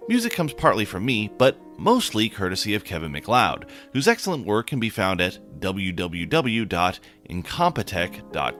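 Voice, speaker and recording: A man's voice: on the low side, a bit bright. A man speaking as podcast host, giving a scripted outro directly to his listeners.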